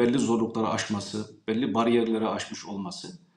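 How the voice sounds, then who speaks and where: This is a man's voice at medium pitch. Audible room echo surrounds it. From Turkey. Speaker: journalist and documentary producer; journalist guest. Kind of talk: interview. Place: home room. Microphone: video call.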